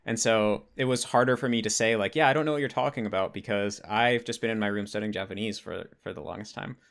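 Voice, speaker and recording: A man's voice: fairly low pitch, steady tone, fast, gravelly, a bit bright. A man in his twenties with an American accent, hosting a casual, conversational interview. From United States. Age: 20s. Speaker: interviewer, host. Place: bedroom at home.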